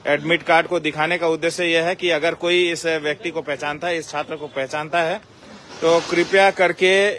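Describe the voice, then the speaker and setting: A man giving a halting, repetitive live news appeal in formal address, recorded outdoors on a phone in a market street. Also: a little high, a bit bright. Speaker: local news reporter. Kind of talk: live street report, unscripted public appeal. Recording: street noise around handheld phone recording. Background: street ambience and vehicles.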